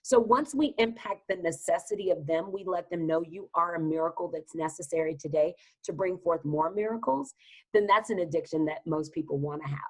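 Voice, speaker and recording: A woman from Texas with a Southern accent, speaking as a guest in a podcast interview with an energetic, emphatic, motivational way of talking. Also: fairly low pitch, fairly quick, rough recording. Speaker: guest business advisor.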